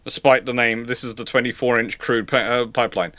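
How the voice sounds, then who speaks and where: A man's voice: medium pitch, fairly even intonation, brisk, pushed and bright, no room sound. A man hosting an informal live history Q&A, hesitant and repeating words as he thinks, with dry, wry humour. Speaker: host answering audience questions.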